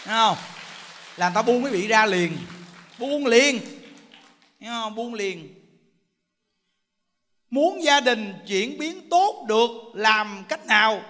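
A man's voice: high-pitched, expressive, moderate pace, bright, forceful tone. A man with a Southern Vietnamese accent preaching a Buddhist sermon, emphatic and often checking that listeners understand. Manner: emphatic, keeps asking listeners "understand? see?". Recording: long hall reverb.

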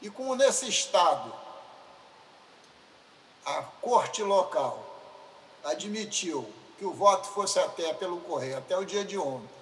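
A man with a Brazilian Portuguese accent giving a formal, deliberate speech in a legislative chamber, addressing a colleague formally. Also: sits high, big pitch swings, a bit bright. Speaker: state deputy. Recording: roomy chamber sound with faint hiss.

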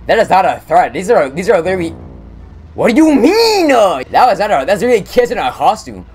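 A young man casually commentating on a game stream, using slang and talking excitedly to his chat. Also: high voice, normal speed, pauses often, husky, faint music behind. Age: young adult. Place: indoor room at streaming setup.

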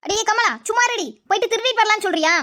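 A wary village woman in a cartoon who scolds and frets, as a woman voices her. The voice sits very high and sounds bright. She speaks fast. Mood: scolding, wary. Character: wary, scolding village woman Shanthi, elder sister type. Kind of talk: Tamil cartoon dub.

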